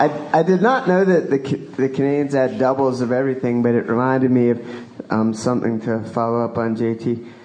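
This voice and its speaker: Clearly audible background noise accompanies talk delivered at a fairly fast clip. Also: man, medium pitch for a man, ordinary pitch variation. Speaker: climber and writer. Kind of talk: live podcast panel chat. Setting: stage with audience.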